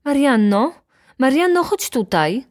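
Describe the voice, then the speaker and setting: A woman's voice: a little high, lively intonation, unhurried, a little mellow, no echo, clean studio sound, pitched above the performer's own voice. Woman doing a flustered, agitated baroness. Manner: feverish, pleading. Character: flustered agitated noble lady, anxious.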